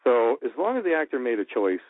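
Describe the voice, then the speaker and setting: A man's voice: mid-range voice, big pitch swings, fast, dry recording. A man who works as a radio producer and engineer, giving candid, explanatory voice-acting advice with many fillers. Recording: tinny phone-like line, dry.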